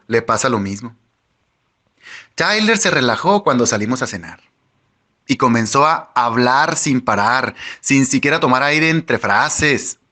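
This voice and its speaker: A man reading a first-person audiobook with wry, lively storytelling. His voice is bright and forward, at an ordinary male pitch. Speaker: audiobook narrator.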